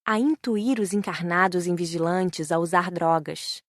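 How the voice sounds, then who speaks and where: A woman's voice: lowish voice, steady tone, measured pace, no room sound, studio quality. A woman reading scripted first-person audiobook narration.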